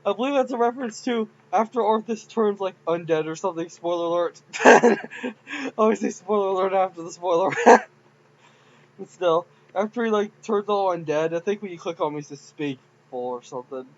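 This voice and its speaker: A man's voice: sits high, brisk, muffled recording, slight background noise. A man casually commenting on his own game files, rambling and giggly. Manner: rambling, giggly, self-mocking. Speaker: game modder.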